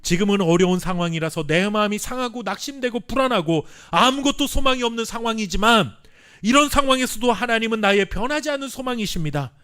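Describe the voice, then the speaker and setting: A Korean pastor preaching a sermon with earnest emphasis and dramatic pauses, sometimes reading scripture slowly. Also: male voice, high voice, animated, a bit bright, clean tone. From South Korea. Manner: reads scripture aloud slowly with the congregation.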